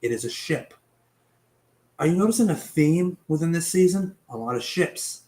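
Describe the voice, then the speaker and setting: A young man hosts a casual online mystery show, narrating in a warm, fairly high voice at normal speed with animated energy. He's chatty and a bit profane, stumbles over names, coughs, and has partly lost his voice.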